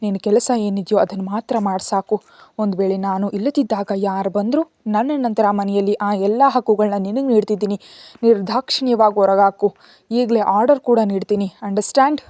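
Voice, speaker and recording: A woman's voice: medium pitch, fairly even intonation, a little fast, mellow, no echo, close to an everyday voice. Arjun, a stern young father, read by a woman. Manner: curt, commanding. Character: stern wealthy young father, guarded and commanding.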